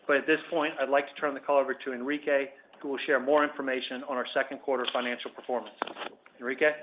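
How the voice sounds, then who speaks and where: Phone-quality audio, man, middle pitch, senior executive, prepared corporate remarks, formal, businesslike. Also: level tone, fast talker, background noise. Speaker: company chief executive leading the call. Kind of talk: scripted earnings call presentation. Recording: phone-like conference call line.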